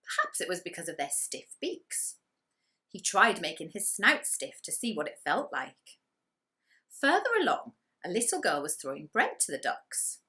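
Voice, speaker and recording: A woman storyteller reads for young children in a bright, fairly low voice. Her delivery is animated and expressive, leaning on key words for dramatic effect. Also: unhurried. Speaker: storyteller reading to primary school children.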